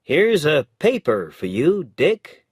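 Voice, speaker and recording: A man voicing a brisk, friendly young male lawyer in a storybook reading. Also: fairly high pitch, huge pitch swings, breathy edge, no echo, clean studio sound, voice pushed up, full character voice. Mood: chatty. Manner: chatty, raised voice.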